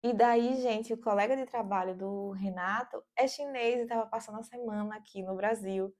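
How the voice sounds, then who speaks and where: A woman's voice: medium pitch, normal speed. Chatty Brazilian woman vlogging at home. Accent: Brazilian Portuguese. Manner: chatty and animated, lots of fillers. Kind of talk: casual vlog chat. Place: home office.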